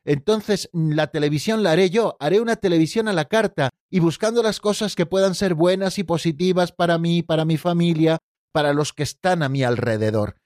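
A man hosts a Catholic radio program, walking his listeners through the catechism in an earnest, teacherly way. He addresses them directly as friends. His voice sits on the higher side and sounds dry and close. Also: a little fast, darkish tone, no room sound.

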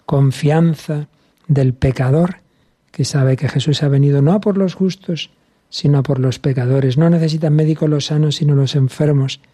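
A man's voice: a little high, fairly even intonation, moderate pace, dark tone, no room sound. A man preaching a sermon to viewers in an earnest way, lingering on key words. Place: video recording to viewers.

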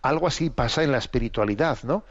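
A man delivers spoken religious commentary in a measured, teacherly manner, often checking in with short tag questions and asking rhetorical questions. His voice sits at an ordinary middle pitch. The recording is slightly dull and lo-fi, with the sound of radio. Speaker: host of a religious commentary program.

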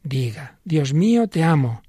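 A man reading the lines of an elderly pope, gentle yet urgent, pressing and insistent. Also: mid-range voice, lively intonation, unhurried, husky, dry recording, clean studio sound. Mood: urging.

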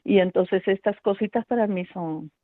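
A woman's voice: mid-range voice, moderate pace, no room sound. A middle-aged woman tells her story on a tinny phone line with no room sound at all. She talks with feeling and acts out the people she quotes. She calls herself a nervous, anxious person. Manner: self-described nervous, anxious speaker. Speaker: radio volunteer guest. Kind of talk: telling a personal story on a radio call. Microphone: telephone.

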